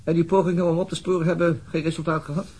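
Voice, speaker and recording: An actor playing a weary, dutiful police detective in a radio drama, terse, reluctant and grumbling. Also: male voice, a little high, level tone, very fast, warm tone, breathy edge, rough recording. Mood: reserved.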